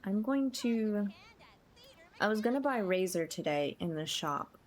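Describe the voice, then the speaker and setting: A woman hosting a livestream, chatting casually to her viewers in a gentle, appreciative way. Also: medium pitch, lively intonation, a little slow. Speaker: livestreamer host.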